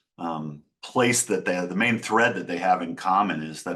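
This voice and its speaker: Speaking at a moderate pace, a man has a very deep, low pitch and a bright, sharp tone. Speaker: professor of New Testament Greek. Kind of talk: interview. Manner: halting.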